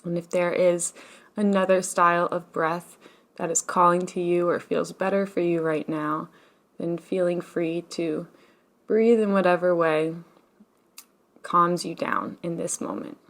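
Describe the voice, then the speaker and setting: Gentle woman guiding a slow meditation. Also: fairly low pitch, fairly even intonation. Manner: gentle, unhurried, soothing, with long pauses. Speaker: meditation teacher. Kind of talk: guided meditation.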